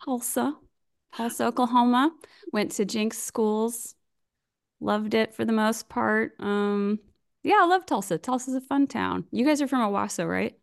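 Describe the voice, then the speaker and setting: An American woman in her forties, chatting casually as a podcast guest over a video call, self-deprecating and quick to laugh. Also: on the high side, vocal fry. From United States. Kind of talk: casual remote interview chat.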